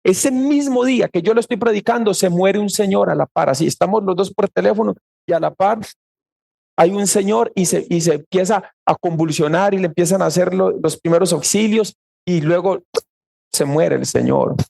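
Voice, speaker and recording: Gravelly-voiced Costa Rican pastor preaching. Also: male voice, high-pitched, normal speed, a little mellow. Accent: Costa Rican Spanish. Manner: earnest storytelling, quoting people in raised voice. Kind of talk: sermon with personal story.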